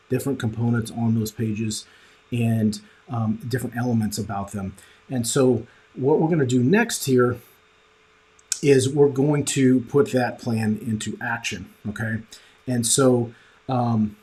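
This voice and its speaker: A man's voice: mid-range voice, darkish tone. A man presenting an informal instructional training as a coach, explaining step by step and often checking in with the listener. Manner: explanatory, checks in with "right?" and "okay?".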